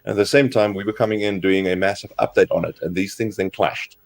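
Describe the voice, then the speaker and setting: A man co-hosting a casual tech livestream, hoarse from a cold, explaining things in a rambling way with lots of fillers. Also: fairly low pitch, fairly even intonation, quick pace. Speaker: co-host.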